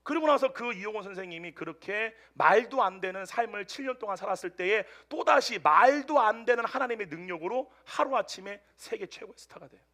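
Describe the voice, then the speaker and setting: Male preacher, Sunday sermon, high and bright, storyteller who veers between loud and hushed. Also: a little fast, few pauses. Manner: animated storytelling, swinging between loud outbursts and hushed asides. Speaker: pastor. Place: church service with a congregation answering amen.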